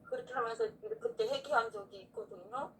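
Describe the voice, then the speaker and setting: A woman's voice: mid-range voice, very animated, brisk. A woman pastor telling an earnest, emotional personal testimony in a casual faith conversation. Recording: distant mic with faint background noise.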